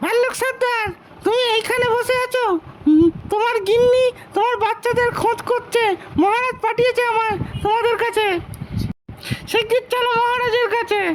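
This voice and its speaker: An extremely high-pitched, cartoonish character voice is heard. Clear background noise runs underneath. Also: moderate pace. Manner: urgent, eager.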